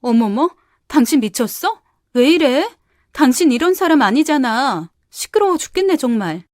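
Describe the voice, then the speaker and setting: A selfish young wife full of scorn, as a woman acts her out, coaxing and sharp by turns. Her voice sits a little high, and the recording is close and dry. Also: expressive, normal speed, no echo, natural voice. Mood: indignant. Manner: wheedling, then shrill and defensive. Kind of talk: audio drama.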